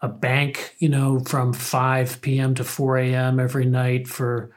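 A man speaks as a guest on an interview show. He talks thoughtfully, with frequent pauses and restarts. His pitch is in the middle range for a man. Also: completely flat delivery. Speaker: guest, playwright and poet. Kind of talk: casual interview chat.

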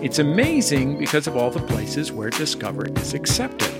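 A man hosting a radio interview show, asking questions in a measured, dry way and reading announcements. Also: fairly high pitch, huge pitch swings, over loud music. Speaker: radio host.

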